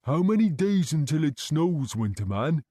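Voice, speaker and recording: A childlike grown man in a care home, played by a male storyteller, speaking in short, blunt, mischievous bursts. The voice sits a little raised and pushed louder than the reader's own, with a soft, mellow tone. Dry and close. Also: fairly high pitch, very animated, moderate pace, no echo, pitched above the performer's own voice. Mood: cheeky. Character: childlike, simple-spoken adult male care home resident.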